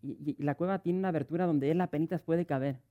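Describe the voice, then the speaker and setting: A man's voice: a little high, fast, phone-quality sound. A middle-aged man preaching a sermon, telling stories with many stuttered restarts. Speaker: pastor.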